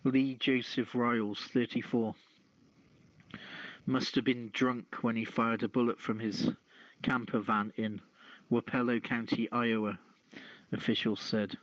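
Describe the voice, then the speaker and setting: Podcast news host: male, measured and halting, casual commentary, dry low-fidelity streamed sound. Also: little pitch movement, no room sound. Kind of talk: casual news commentary mixing reading and chat. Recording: dull, lo-fi streamed audio.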